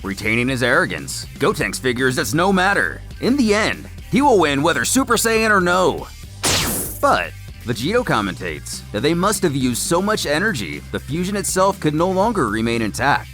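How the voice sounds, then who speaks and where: Animated, higher-pitched male story narrator. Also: moderate pace, soft background music. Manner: theatrical, wordy storytelling. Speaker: narrator of a comic recap series. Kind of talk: scripted narration, story recap.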